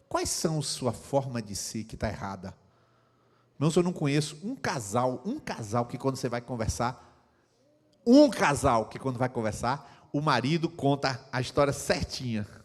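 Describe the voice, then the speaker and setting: An ordinary speaking voice from a man, fairly slow, medium in pitch, with ordinary pitch variation. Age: 60s. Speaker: pastor. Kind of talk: sermon.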